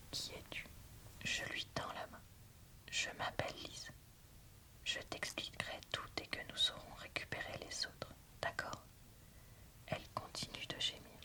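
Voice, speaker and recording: A woman whispers in a breathy, unvoiced ASMR style, speaking informally and frankly as she reads and reviews books. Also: sharp tone. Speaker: book reviewer.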